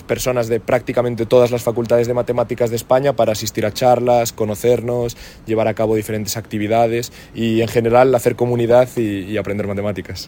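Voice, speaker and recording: A man speaks about his event in an interview soundbite. His voice is mellow and warm, and his pitch stays flat and even. He sounds relaxed. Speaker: event organizer.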